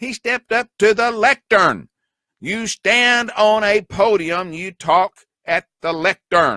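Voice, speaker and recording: Using a raised, projected voice, a man with an American accent speaks very slowly at a high pitch with ordinary pitch variation. His tone is bright and sharp, and the sound is dry and close with no echo. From US South (South Carolina). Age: old. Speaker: talk radio host. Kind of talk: talk radio monologue. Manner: casual, folksy.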